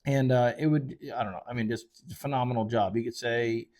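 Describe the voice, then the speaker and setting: A man's voice: medium pitch, steady tone, brisk, darkish tone. A man, hosting casual solo commentary into a microphone, rambling and correcting himself often. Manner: rambling, conversational, with frequent fillers and self-corrections. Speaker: fishing charter guide and show host. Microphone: desk microphone.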